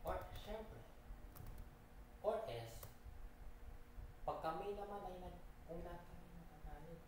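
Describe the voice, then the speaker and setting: A Filipino woman chatting casually in a halting, repetitive way, mixing Tagalog with English. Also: fairly low pitch, darkish tone. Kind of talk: casual rambling chat while driving. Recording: very echoey, distant mic, noisy background.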